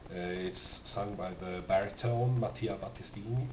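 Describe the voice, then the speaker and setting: A man's voice: on the low side, moderate pace. A man giving a casual, unscripted show-and-tell as a record collector, hesitant and rambling as he thinks aloud. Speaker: record collector presenting his finds. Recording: roomy, distant, muffled, noisy home recording.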